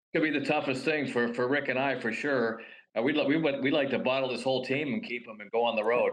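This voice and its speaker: A man at medium pitch, very fast, with ordinary pitch variation and audible room echo. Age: 70s. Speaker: pickleball team owner. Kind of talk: casual interview chat. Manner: animated, many fillers and restarts.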